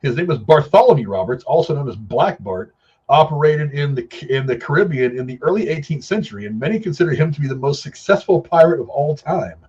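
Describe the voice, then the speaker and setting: A man's voice: a little high, animated, fairly quick, darkish tone, husky, lo-fi sound. A man co-hosting a casual film chat, telling rambling anecdotes in slangy, profane language. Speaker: podcast co-host.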